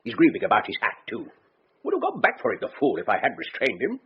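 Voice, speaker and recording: An actor playing an elderly, genial lord who chuckles and teases in a radio drama. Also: male voice, mid-range voice, huge pitch swings, quick pace. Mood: jovial. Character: elderly male lord, jovial and teasing. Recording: tinny lo-fi radio broadcast with faint hiss.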